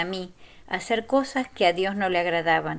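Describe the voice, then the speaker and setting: In a very clean recording with a silent background, a woman talks at a moderate pace in a normal speaking voice, medium in pitch with lively intonation. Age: 60s. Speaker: church member. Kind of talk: testimony.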